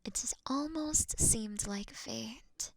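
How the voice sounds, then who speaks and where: Woman doing a flirty predatory vampire queen, highish voice w some creak, slow n whispery, roleplay audio. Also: dry recording, heavily acted, poor audio. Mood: hungry, seductive. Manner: breathy, often whispered, refined and unhurried. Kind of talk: intimate roleplay audio drama, ASMR-like.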